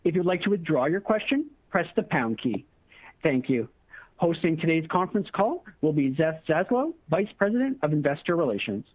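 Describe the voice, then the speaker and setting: Guy operator on a conference call, scripted spiel, really animated intonation, kinda lo-fi sound. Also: a little high, normal speed, no echo. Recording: dull lo-fi conference call audio.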